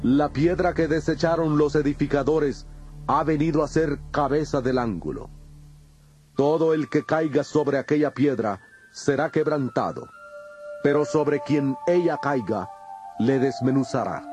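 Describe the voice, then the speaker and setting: A man's voice: fairly high pitch, measured pace, darkish tone, highs cut off, natural voice. Man playing a solemn, authoritative Jesus over music. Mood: stern, authoritative. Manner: solemn, declamatory. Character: Jesus, a grave, authoritative male teacher telling parables. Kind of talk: dramatized audio Bible acting.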